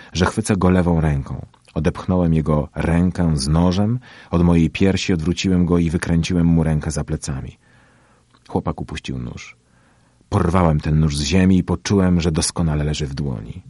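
A man narrating a first-person audiobook in a steady, measured storytelling manner. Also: low voice, no room sound, studio quality.

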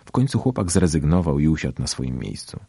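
A man with an extremely deep, husky voice narrates a first-person audiobook. His delivery is steady and measured. The sound is dry, close to the microphone. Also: dry recording.

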